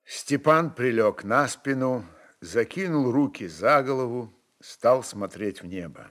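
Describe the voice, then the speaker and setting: A man's voice: mid-range voice, animated, measured pace, fairly bright tone. A man narrating a literary story for radio in a dramatic reading style.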